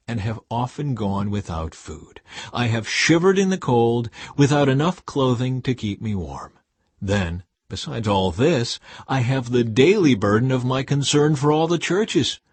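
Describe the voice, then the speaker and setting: A man narrating scripture from a script, with earnest, deliberate and expressive phrasing. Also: mid-range voice, husky, dry recording. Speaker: Bible narrator. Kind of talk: scripted scripture reading, modern-language audio Bible.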